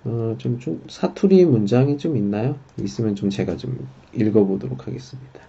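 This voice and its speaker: A man teaching a casual livestream language lesson, unhurried and dropping in frequent filler acknowledgements. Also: mid-range voice, creaky, warm tone, breathy edge, lo-fi sound.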